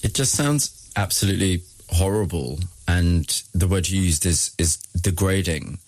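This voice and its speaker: A man interviewing a guest, asking calm, direct questions. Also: low voice, measured pace, dry recording.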